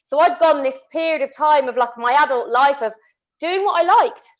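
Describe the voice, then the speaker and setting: A woman's voice: high voice, moderate pace. A woman, talking earnestly and passionately, often restarting her sentences. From England. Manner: impassioned, earnest, many restarts. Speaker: podcast co-host. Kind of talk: casual chat. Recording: dull lo-fi audio.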